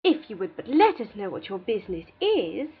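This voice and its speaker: A woman's voice: medium pitch, sing-song, moderate pace, breathy edge, phone-quality sound, exaggerated voice. A woman playing a jovial, teasing older matron who pries insistently in a dramatised classic novel, with exclamations. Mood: excited, insistent.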